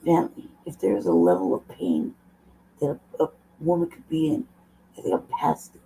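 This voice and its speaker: A woman host with a low, hoarse voice, chatting casually at a desk mic, rambling, laughing often and swearing. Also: wildly swooping pitch, a little fast, warm tone, a little hiss or hum, rough recording. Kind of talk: casual livestream talk.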